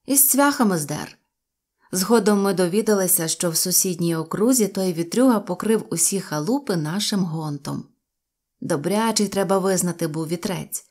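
A woman narrating a children's story aloud with a lively, expressive reading. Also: on the low side, moderate pace. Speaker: audiobook narrator.

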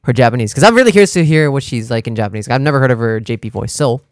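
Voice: mid-range voice, animated, racing, no room sound, clean studio sound. A gaming YouTuber giving casual, slangy reaction commentary full of exclamations.

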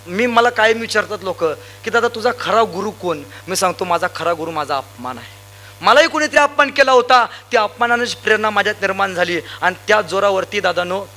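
A young man from Sangli district, Maharashtra, giving a loud, emphatic motivational stage speech full of anecdotes. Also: high-pitched. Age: young adult. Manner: loud, emphatic, rousing, addresses crowd directly. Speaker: motivational speaker.

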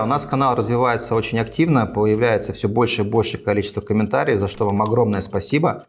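Man, forties, husky, slightly low voice, investment vlog host, lapel mic, small room. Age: 40s. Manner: fast, measured advisory delivery with frequent fillers. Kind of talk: talking-head explainer to camera. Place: small indoor studio set with desk and lamp.

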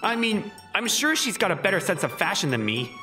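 Guy acting as awkward young dude in a romcom manga dub, wry and self-doubting, lively pitch, music behind. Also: brisk, full character voice. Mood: resigned, hesitant.

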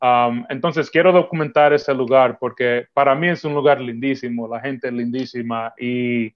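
A man's voice: mid-range voice, normal speed. Man on a dull call. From Dominican Republic heritage, raised in New York. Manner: relaxed, laughs often, repeats words while thinking. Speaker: podcast guest, film photographer. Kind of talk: casual interview chat. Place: home room, video call. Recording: slightly dull video-call audio.

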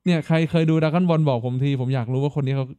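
Smooth mellow male streamer thinking aloud. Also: fairly high pitch, rapid-fire, no room sound. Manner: thinks aloud, stammers and repeats words; talks straight to viewers, asking them questions. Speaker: live streamer and host. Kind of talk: casual live-stream chat while playing.

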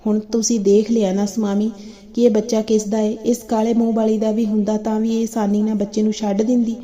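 A woman's voice: mid-range voice, flat delivery, a little fast, dark tone, natural voice. A woman voicing a jealous, scheming woman who scolds and accuses. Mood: gloating. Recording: dull lo-fi recording.

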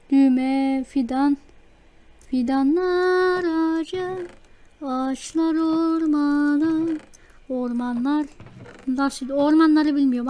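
A woman hosting a let's play, chatting to herself and her viewers as she plays, easily excited. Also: high voice. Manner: chatty, talks to self while playing, easily excited. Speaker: gaming channel host. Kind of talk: let's play game commentary.

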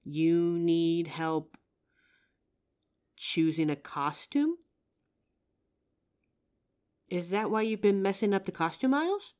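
Woman playing a low-pitched earnest young psychic. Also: measured pace, darkish tone, close to an everyday voice. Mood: reassuring, earnest. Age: young adult. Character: young female psychic, earnest, confident and helpful. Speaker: voice actor in a roleplay audio drama. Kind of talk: scripted roleplay audio acting, addressing the listener.

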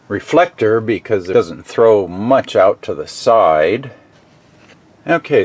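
A middle-aged man casually narrating a hands-on repair in his workshop, thinking aloud with halting fillers, recorded on the camera mic. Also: on the low side. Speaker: DIY repair vlogger. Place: garage workshop and shed.

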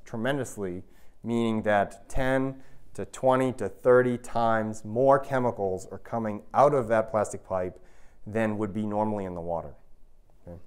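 An American man in his thirties lecturing to an audience in an emphatic, explanatory manner, often checking in with the listeners. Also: on the low side. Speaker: university researcher giving a public talk. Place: indoor lecture room with an audience.

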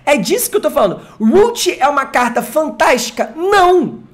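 An excitable, slangy streamer from Brazil opening card packs live, who swears and jokes with chat. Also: sits high, moderate pace. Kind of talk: live unboxing chat with viewers.

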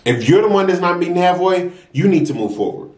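A man's voice: high-pitched, lively intonation, brisk, a little mellow. A young American man talking casually to camera as a mukbang vlogger, giving emphatic, preachy advice with repeated phrases. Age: young adult. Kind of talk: casual advice talk to camera while eating. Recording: roomy echo.

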